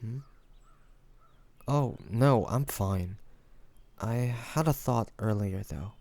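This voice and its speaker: A man playing a devoted young man, a tender best friend in an intimate fantasy audio roleplay, speaking gently and haltingly with sighs and pauses. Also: medium pitch, dry recording. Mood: gentle, concerned.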